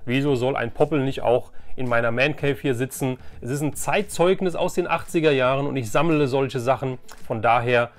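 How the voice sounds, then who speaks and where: Barely pausing, a middle-aged host of a vintage toy collecting channel rambles with enthusiasm through a casual, chatty flea market haul vlog. He's in a room at home, speaking at medium pitch and a moderate pace.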